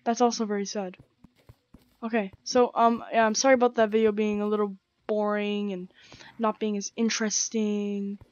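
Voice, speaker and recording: A young woman with a croaky, sore throat, rambling casually as she plays and comments on a game, full of slang and fillers. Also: mid-range voice, level tone, normal speed, a little mellow, dry recording, highs cut off. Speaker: gaming channel host. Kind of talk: casual let's-play commentary. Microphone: gaming headset.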